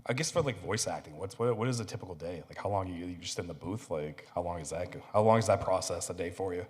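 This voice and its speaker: A man's voice: deep voice, fast talker, a little mellow, in a large hall. A man moderating a convention panel, asking hesitant questions full of fillers. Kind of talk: casual interview questions.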